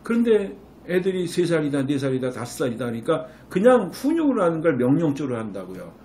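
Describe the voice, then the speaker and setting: Animated man lecturing parents. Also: fairly high pitch, a little fast, slight background noise. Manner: animated, acts out a mother's voice when quoting. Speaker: Korean medicine clinic director giving parenting advice.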